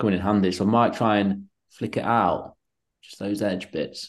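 A man talks in a normal speaking voice at a moderate pace. His pitch is fairly low, against a quiet background. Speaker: podcast co-host and amateur runner. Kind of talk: casual chat. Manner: jokey, laughs often.

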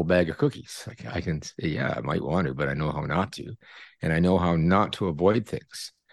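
With a quiet background, a man talks at a fairly quick pace in a very deep, low voice with vocal fry and ordinary pitch variation. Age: 60s. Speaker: retired psychology professor, procrastination researcher. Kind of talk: interview conversation. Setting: video call.

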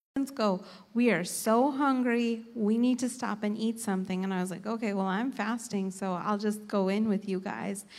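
A woman with an American accent and a normal speaking voice talks at a moderate pace, with a fairly high pitch, fairly even intonation, and hardly any pauses. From Tampa, Florida. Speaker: preacher. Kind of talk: testimony.

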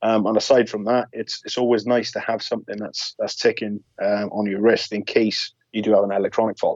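The speaker has a Welsh accent. The pace is fairly quick. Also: man. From South Wales. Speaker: strap maker, business owner. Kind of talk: interview, casual chat.

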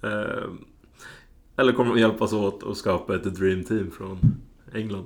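Using a fairly low pitch with vocal fry, a man talks fairly slowly with fairly even intonation and long, frequent pauses. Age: 20s. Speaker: podcast co-host, small business owner. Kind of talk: casual chat.

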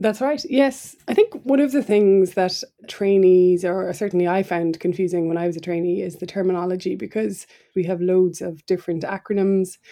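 With a Cork accent, a woman speaks at a medium pitch and a moderate pace, with ordinary pitch variation. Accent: Irish (Cork). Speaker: interventional radiologist. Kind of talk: interview / medical explanation.

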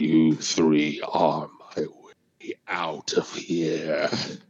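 A raspy, guttural put-on character voice at a very slow pace. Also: man, very deep, low pitch for a man. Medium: actual play. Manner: gloating, menacing.

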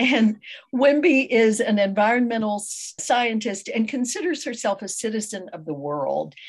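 Speaking at a fairly slow pace, a woman with a fairly high, somewhat breathy voice uses lively intonation and big swings in loudness. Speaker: podcast host. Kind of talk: casual chat.

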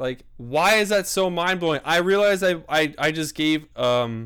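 With an American accent, this voice has a bright, sharp tone and lively intonation, captured in a very clean recording with a silent background. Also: man. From Southern California. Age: 20s. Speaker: podcast host. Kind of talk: solo political commentary. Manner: casual with many fillers.

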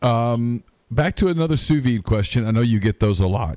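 Male voice with an American accent, dark and mellow in tone, lively in intonation, dry and close with no echo. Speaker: podcast host. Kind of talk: casual interview. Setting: studio.

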